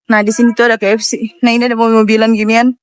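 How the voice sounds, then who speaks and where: A woman's voice: on the high side, little pitch movement, rapid-fire, clear, resonant tone, dry recording, studio quality. A woman chatting casually to her viewers as she vlogs on the move. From Indonesia. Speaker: vlogger. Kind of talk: casual vlog chat to viewers. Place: walking around a busy outdoor amusement area and nearby shop.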